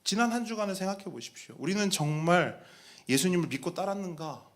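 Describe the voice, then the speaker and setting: A man's voice: sits high, lively intonation, fast talker, fairly bright tone. A man preaching a sermon as pastor, talking in a conversational way, putting questions to the congregation and acting out mocking voices.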